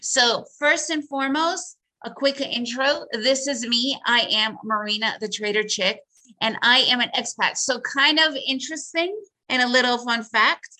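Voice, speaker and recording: A woman's voice: on the high side, normal speed, sharp tone, poor audio. A woman whose first language is Russian, giving a chatty, upbeat live presentation on trading and talking to her viewers by name. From Soviet Union.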